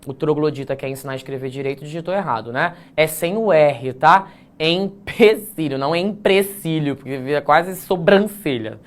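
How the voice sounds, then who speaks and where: A man teaching an online essay-writing class, joking at his own slips, drawing words out slowly to show how they are pronounced, and checking in with the class often. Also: a little high. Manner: playful, self-mocking, frequent "tá?" check-ins; stretches words slowly to demonstrate pronunciation.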